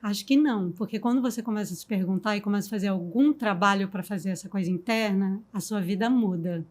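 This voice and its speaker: A woman storyteller, guest on a podcast, talking in a calm, reflective and softly emphatic way. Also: mid-range voice, fast talker. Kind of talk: reflective conversation.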